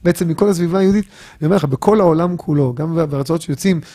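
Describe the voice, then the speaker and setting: A man hosting an interview, reacting with enthusiasm and thinking out loud. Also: fairly high pitch. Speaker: interviewer host. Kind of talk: conversational interview.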